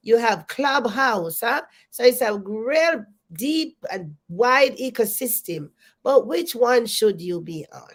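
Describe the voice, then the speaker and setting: Congested woman hosting a live stream. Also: mid-range voice. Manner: energetic, repeats greetings and questions to the audience. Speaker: host of a live business coaching show. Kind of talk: live stream talk to viewers.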